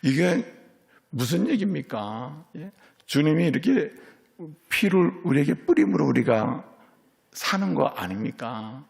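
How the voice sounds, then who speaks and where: Gravelly, animated middle-aged male preacher. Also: a little high, measured pace. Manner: lively storytelling preacher, voices characters in quotes, asks "예?" of the congregation. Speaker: senior pastor. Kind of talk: sermon.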